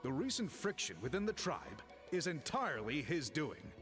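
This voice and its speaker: A man playing a dignified, formal tribal chief in a video game, speaking deliberately over music. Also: a little high, sing-song. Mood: earnest. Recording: soft game music behind.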